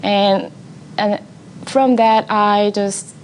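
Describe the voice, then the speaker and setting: A young woman with a Korean accent, a nursing student speaking English as a second language, telling about her first hospital placement in halting sentences with many pauses for words. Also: mid-range voice, fairly even intonation, a little hiss or hum. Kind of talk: personal account for a university video.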